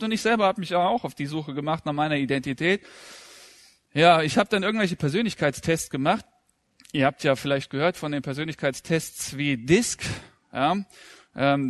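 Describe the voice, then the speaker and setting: A man's voice: on the high side, a bit bright, dry recording, studio quality. A man in his thirties giving a sermon in a conversational, self-deprecating way, building to emphatic rising questions. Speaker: preacher.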